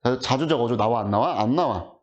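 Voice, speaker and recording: A man teaching high school literature in an online lecture, talking casually and asking his students rhetorical questions. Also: animated, a little fast. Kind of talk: online exam explanation lecture. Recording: dull lo-fi audio.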